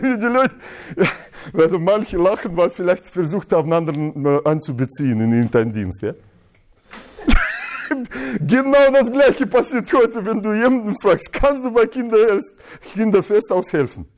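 A man's voice: high voice, normal speed. A man teaching the Bible to a church group in slightly broken German, playfully acting out dialogues and laughing often. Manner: animated, playfully acts out dialogues with frequent laughs.

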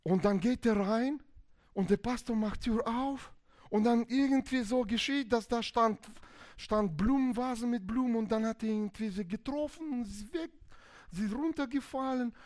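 Animated preacher. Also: male voice, extremely high pitch, normal speed. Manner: animated, acts out quoted couples in varied voices. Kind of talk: sermon.

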